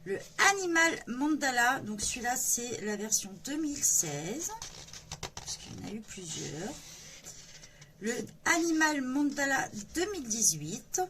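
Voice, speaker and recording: A chatty woman with a fairly high voice talks her viewers through a coloring book at an easy pace. She hesitates often and fills her pauses as she goes. A faint hum of ambience sits behind her. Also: very animated, sharp tone. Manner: chatty, hesitant with many fillers. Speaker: coloring channel host. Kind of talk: casual book flip-through.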